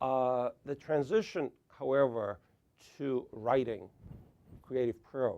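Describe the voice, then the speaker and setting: A man's dark, mellow voice in a Russian accent, at a fairly slow pace with ordinary pitch variation. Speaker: author. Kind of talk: author talk interview. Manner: halting, many fillers.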